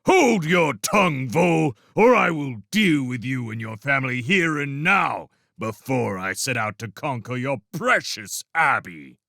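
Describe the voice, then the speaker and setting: A cruel, boastful rat warlord, as a man reads him aloud, sneering one moment and bellowing the next in a wild, swooping voice. The tone is gravelly and sharp. It is a storybook villain sound, recorded close and dry. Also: mid-range voice, lively intonation, measured pace, hardly any pauses, no room sound, pitched above the performer's own voice, exaggerated voice. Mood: roaring. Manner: sneering, boastful tirades that swing to roars. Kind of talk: storybook reading.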